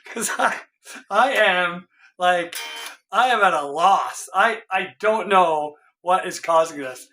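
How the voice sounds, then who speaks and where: A middle-aged man with a hoarse voice, a guitar tech in a casual vlog, puzzled and exasperated as he thinks aloud in his home workshop. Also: high-pitched, lively intonation, slow pace, bright, forceful tone. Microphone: camera a few feet away.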